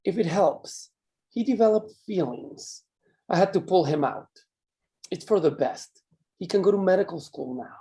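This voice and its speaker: A man acting a menacing mine boss in a drama table read, speaking in measured, condescending threats. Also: sits high, lively intonation, dark tone. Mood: smug, cruel. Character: menacing, controlling male mine boss, coolly cruel.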